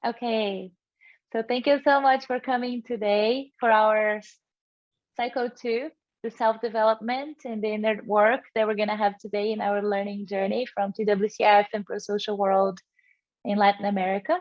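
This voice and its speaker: In a Portuguese accent, a woman talks at a moderate pace with a fairly high pitch. Her intonation stays fairly even. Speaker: workshop facilitator. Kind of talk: online workshop facilitation.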